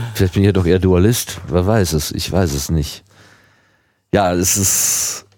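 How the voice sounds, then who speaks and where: Speaking at a fairly slow pace with long, frequent pauses, a man uses a very deep, low pitch and a dark, mellow tone, his intonation fairly even. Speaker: podcast co-host. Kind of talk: casual chat.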